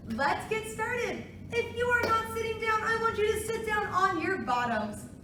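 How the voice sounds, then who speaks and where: A woman hosting a children's storytime, talking as if reading to a toddler, in simple phrases with exclamations and playful asides. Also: very high voice. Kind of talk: reading to young children, sing-song picture-book reading and simple instructions. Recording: roomy, noisy, distant microphone.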